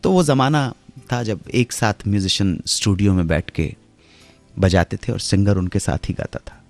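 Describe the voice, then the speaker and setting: A middle-aged man hosting a radio show, telling stories in a dramatic way that swings from hushed asides to loud exclamations. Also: lowish voice, normal speed, creaky. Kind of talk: storytelling radio narration. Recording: radio broadcast with faint music underneath.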